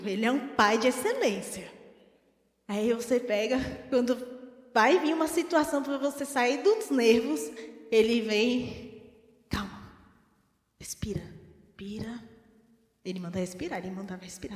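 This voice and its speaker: A Brazilian woman preaches with lively energy, her fairly high voice rising and dropping as she plays out little quoted scenes. The sound rings around a large church hall, with a long reverb tail behind every phrase. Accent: Brazilian Portuguese. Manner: animated, acts out quoted voices. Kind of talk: sermon.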